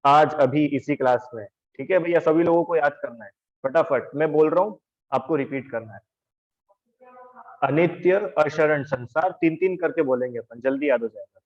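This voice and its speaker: A man's voice: on the high side, a little fast, a little mellow, lo-fi sound. A man teaching an online religion class, patiently explaining and drilling students by repetition, calling on them by name. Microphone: video call.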